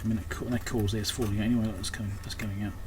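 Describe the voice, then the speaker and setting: A man's voice: fairly low pitch, little pitch movement, racing. A man giving casual, unscripted commentary while doing hands-on repair work, thinking aloud and often trailing off mid-thought. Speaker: electronics repairer and video host. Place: indoors at a repair workbench. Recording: clear background noise, room ambience.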